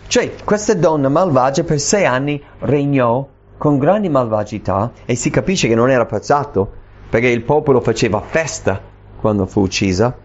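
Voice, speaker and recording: A man preaching in Italian, reading Bible verses aloud and stopping to explain them plainly. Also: mid-range voice. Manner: reads scripture then explains it plainly. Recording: dull lo-fi recording.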